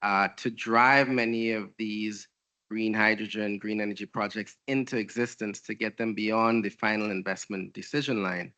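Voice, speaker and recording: A man from Trinidad and Tobago with a Trinidadian accent, speaking as a panelist on a conference stage in a measured, explanatory way. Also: on the low side, steady tone, sharp tone. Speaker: panelist, energy entrepreneur.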